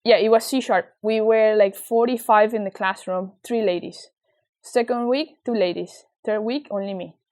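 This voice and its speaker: A young woman from Venezuela with a Venezuelan Spanish accent, talking as an interview guest with earnest, animated storytelling. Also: mid-range voice, normal speed. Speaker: guest, nonprofit founder. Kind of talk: casual interview chat.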